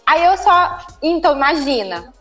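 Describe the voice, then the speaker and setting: A Brazilian woman with a Brazilian Portuguese accent, telling a story in a casual chat and filling pauses with "né". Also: sits high, faint music behind. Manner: animated storyteller, many fillers like "né".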